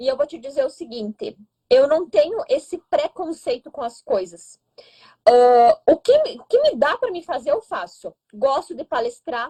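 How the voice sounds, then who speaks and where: A high-pitched woman's voice, dark and mellow in tone, with very wide pitch swings, big shifts in loudness and a fairly slow pace, in a dry, close sound with no echo. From southern Brazil (Rio Grande do Sul). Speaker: psychic and actress. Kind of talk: interview. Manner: animated.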